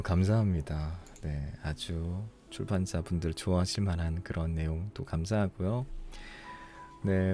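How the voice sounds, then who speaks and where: A tired young man from Ulsan, hosting a late-night reading stream, chatting softly and unhurriedly as he thanks listeners. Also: fairly low pitch. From Ulsan, South Korea. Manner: soft, unhurried, apologetic and thankful. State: tired after a long broadcast. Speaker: book-reading livestream host. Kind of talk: casual chat reading listener comments.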